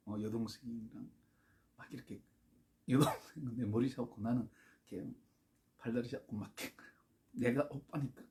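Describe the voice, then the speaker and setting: A man with a Gyeongsang accent telling a childhood story, halting and full of fillers. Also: medium pitch. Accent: Gyeongsang Korean. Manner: halting, with many fillers and restarts. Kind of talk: personal storytelling.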